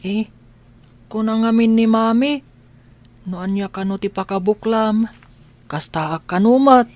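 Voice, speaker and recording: A woman voicing a blind young man in an audio drama, asking soft, curious questions. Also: on the high side, unhurried, lightly acted. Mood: gentle. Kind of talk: radio drama acting.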